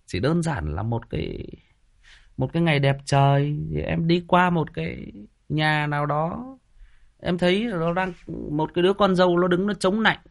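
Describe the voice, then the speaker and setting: A man's voice: on the high side, normal speed, vocal fry. A man with a Northern Vietnamese accent hosting a casual livestream, chatty, with many fillers and repeated words. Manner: chatty, full of fillers and repetition. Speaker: livestream host, storyteller.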